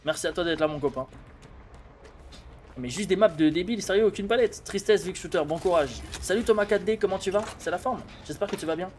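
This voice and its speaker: A young man with a French accent commenting live on a game, excitable and laughing as he chats with viewers. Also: high-pitched, a little fast, slight background noise. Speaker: streamer. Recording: music playing behind.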